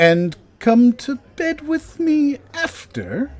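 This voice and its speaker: Putting on a character voice, a man speaks very slowly at an extremely high pitch with very wide pitch swings. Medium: audio drama. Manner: giddy, clingy, repetitive.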